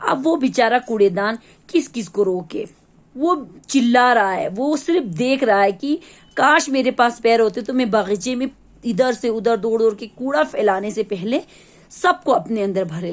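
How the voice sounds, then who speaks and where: Woman teacher from Ladakh for a kids' revision video, patient and repetitive, voice on the higher side. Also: lively intonation, moderate pace. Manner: patient, repetitive explaining, addressing children. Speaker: primary school teacher. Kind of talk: recorded revision lesson for young children.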